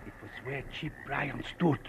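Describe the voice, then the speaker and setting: An actor playing a courteous but scheming gentleman with precise, formal phrasing in an old radio drama. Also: medium pitch, moderate pace, vocal fry. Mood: smug, confiding. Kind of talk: 1940s American radio drama acting. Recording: noisy old radio recording.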